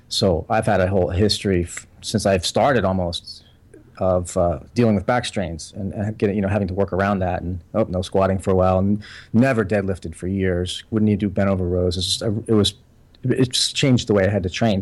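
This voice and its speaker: Talking at a fairly quick pace, a man with a plain, everyday voice keeps a fairly low pitch and fairly even intonation. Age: 40s. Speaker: fitness author and former bodybuilder. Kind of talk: casual interview chat. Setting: call.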